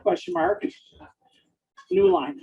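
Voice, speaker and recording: Someone with a husky, gravelly, extremely high-pitched voice dictates story prose in short, halting phrases, saying every punctuation mark aloud. The audio is narrow and tinny.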